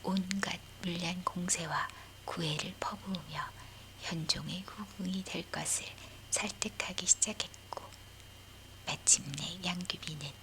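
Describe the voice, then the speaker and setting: Slow whispering woman telling a bedtime story. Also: lowish voice, noisy background. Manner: whispering, breathy and unvoiced throughout. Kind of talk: whispered scripted narration of a historical tale for sleep.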